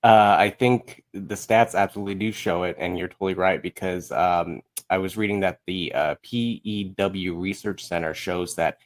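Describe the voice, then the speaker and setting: A man's voice: low-pitched, fairly even intonation, moderate pace, few pauses. A man in his thirties chatting casually as a guest, rambling and often acting out bits of dialogue. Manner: rambling, often quotes himself and others in dialogue. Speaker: podcast guest, musical writer. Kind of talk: casual chat.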